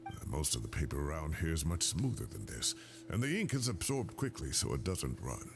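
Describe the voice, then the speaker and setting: Game role: musing scholar, gravelly and lively in pitch. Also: male voice, a little fast, full character voice. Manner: hesitant, musing. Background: game music.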